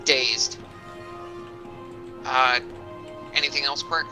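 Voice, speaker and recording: A man running an online tabletop game as game master, halting and thinking aloud as he goes. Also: mid-range voice, fairly even intonation, music in the background.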